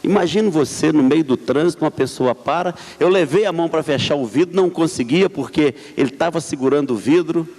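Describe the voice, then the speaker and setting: A man's voice: fairly high pitch, brisk, few pauses, a little mellow. Guy sharing his testimony at church, earnest, lots of echo from the big hall. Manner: earnest storytelling, addressing the congregation directly. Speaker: church member giving testimony.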